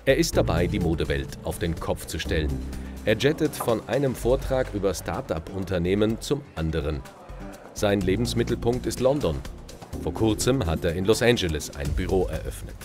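A man reading a scripted documentary voice-over in an even, measured way. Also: low voice. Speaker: narrator. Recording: voice-over with loud music behind.

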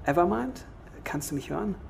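A man's voice: high voice, animated, moderate pace, vocal fry, full character voice. A man playing a busy technician in a science fiction audio drama, muttering as he works. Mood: absorbed. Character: busy, chatty male technician at work. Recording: quiet voice under noisy ambience.

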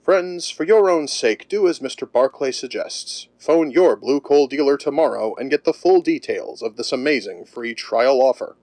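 A man's voice: mid-range voice, expressive, moderate pace, hardly any pauses, darkish tone, dry recording, close to an everyday voice. A man playing an earnest, formal and persuasive radio announcer in 1930s style.

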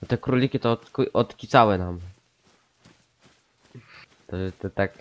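A young man chatting in a relaxed, mumbling way while gaming with a friend, often trailing off. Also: mid-range voice, unhurried. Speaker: co-player. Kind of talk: casual co-op gameplay chat.

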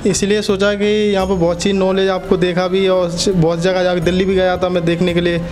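Young male student from Madhya Pradesh, quick flat delivery, deferential testimonial. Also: high-pitched. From Madhya Pradesh, India. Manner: eager, deferential, says sir often. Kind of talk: on-the-spot testimonial. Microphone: handheld mic held by interviewer.

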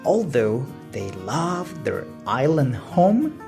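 A woman reading a children's story aloud with deliberate, expressive and dramatic phrasing. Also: deep voice, over music. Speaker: storybook reader.

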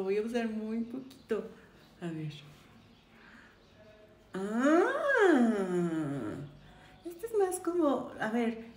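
A woman, chatting effusively to viewers while trying on makeup. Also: mid-range voice. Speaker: beauty vlogger. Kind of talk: casual makeup try-on chat. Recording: roomy echo, faint room noise.

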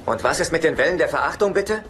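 An actor dubbing a German sitcom, playing a neurotic, insecure, self-pitying brother with a hesitant, anxious, whiny manner. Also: male voice, a little high, lively intonation, quick pace, a bit bright. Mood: hurt, indignant. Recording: TV soundtrack with clear background noise.

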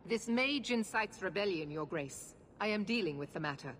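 An actress playing a severe, unyielding knight commander in a video game, formal and commanding. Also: female voice, medium pitch, expressive, moderate pace, slight background noise, lightly acted. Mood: angry, insistent. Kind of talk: dramatic video game acting. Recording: game audio with loud music.

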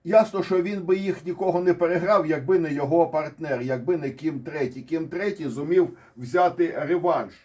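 A man's voice: on the high side, normal speed, hardly any pauses, mellow. A man with a Ukrainian accent giving casual, ironic commentary on war charts, digressing and restarting often. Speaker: military commentator.

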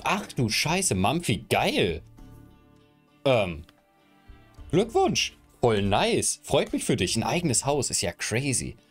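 A young man streaming from his room on a headset mic, chatting loosely with his viewers while he moves his camera and gear around. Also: mid-range voice. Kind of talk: casual live stream chat. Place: home room, indoors.

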